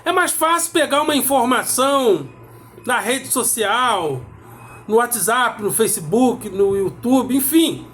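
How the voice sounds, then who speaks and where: Slow, lively man lecturing. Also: extremely high pitch. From South America. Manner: measured, emphatic repetition with pauses. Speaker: philosophy teacher. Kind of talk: explanatory lecture.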